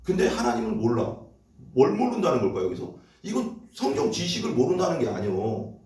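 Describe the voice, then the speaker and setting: An echoey recording of a male pastor preaching a little way off the mic in a church sanctuary. He talks in a relaxed, conversational way, sometimes slipping into the voices of animals. His pitch sits in the middle range. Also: brisk, recorded from a distance. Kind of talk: sermon.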